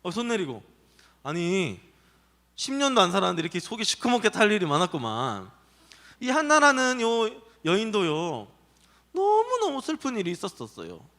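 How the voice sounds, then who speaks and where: A man pastor leads a children's service, telling a Bible story with lots of questions to the kids. His voice is high and bright and swings widely in pitch. It rings out in a reverberant hall. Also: moderate pace. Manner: animated, asks children questions and acts out voices. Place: church children's worship hall.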